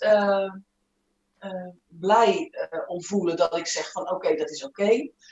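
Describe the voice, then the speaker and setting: A woman at a very slow pace. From Netherlands, Zuid-Holland. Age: 50s. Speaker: teacher. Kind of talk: casual interview chat. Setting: video call. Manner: animated, halting with repetitions.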